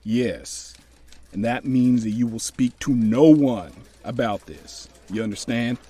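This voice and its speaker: A man plays a fatherly older US Army officer in a wartime radio play. His voice sits at an ordinary medium pitch. He is genial and folksy, yet carries probing, commanding authority. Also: unhurried, mellow, breathy edge. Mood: grave. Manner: folksy, commanding, addresses juniors paternally. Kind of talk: audio drama acting.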